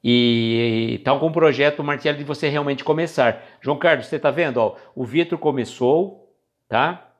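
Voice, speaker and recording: Brazilian guy hosting a live, casual and chatty, medium pitched voice, talks right to the viewers. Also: normal speed, lo-fi sound. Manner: informal, chatty, addresses viewers by name. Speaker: host of a spiritist livestream. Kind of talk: casual livestream chat.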